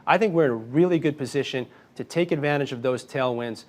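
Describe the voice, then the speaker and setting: A man speaking as a company executive, answering analysts on an earnings call in a confident, measured way. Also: medium pitch.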